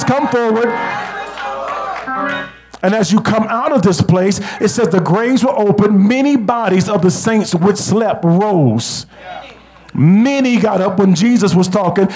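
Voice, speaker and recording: A man preaching a sermon, leading the congregation in call-and-response and rising to shouts. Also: high-pitched, lively intonation, normal speed, soft background music.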